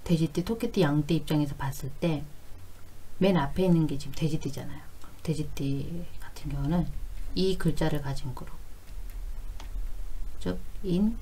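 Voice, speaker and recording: A woman's voice: low voice, moderate pace, long pauses, mellow, a little hiss or hum. A woman in her forties giving a conversational explanatory lesson, going step by step and repeating key phrases. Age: 40s. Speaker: fortune-telling teacher.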